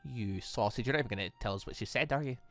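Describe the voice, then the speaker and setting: A man's voice: medium pitch, very fast, a bit bright. A man giving casual, reactive let's play commentary on a visual novel, exclaiming and reading game dialogue aloud. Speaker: video game let's player. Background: game music.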